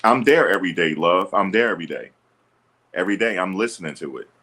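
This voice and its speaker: Male livestream host, very deep voice, blunt and assertive, argues back at chat comments. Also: animated, quick pace, pushed and bright. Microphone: streaming setup.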